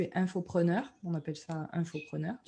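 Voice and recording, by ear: A woman speaks at a moderate pace with a medium pitch and a dark, mellow tone. Her voice is somewhat breathy, and her intonation stays fairly even.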